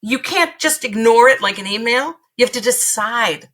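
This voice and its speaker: Woman, career expert guest, punchy and emphatic, bright tense tone. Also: fairly high pitch, lively intonation, normal speed. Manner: emphatic, punchy, repeats for effect. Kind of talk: podcast interview.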